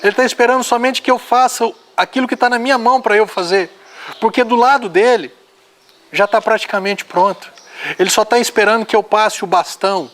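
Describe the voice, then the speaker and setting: A man's voice: high-pitched, a little fast, a bit bright. A man preaching an earnest sermon and reading scripture aloud.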